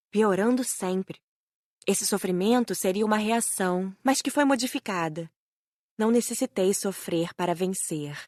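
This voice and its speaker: A woman with a Brazilian accent reading scripted first-person audiobook narration, measured and carefully enunciated. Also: medium pitch, no room sound, clean studio sound. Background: music bed.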